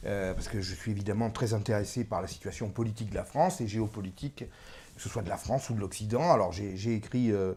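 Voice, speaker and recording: At a very fast pace, a man talks in a dark, mellow tone that is somewhat breathy, with ordinary pitch variation. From Corsica. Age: 40s. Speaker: author and business consultant. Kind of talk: interview.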